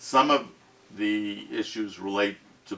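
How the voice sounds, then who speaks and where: With a Brooklyn accent, a man talks at a very slow pace in a fairly low pitch. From New York, Brooklyn. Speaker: law-trained channel host. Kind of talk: casual discussion.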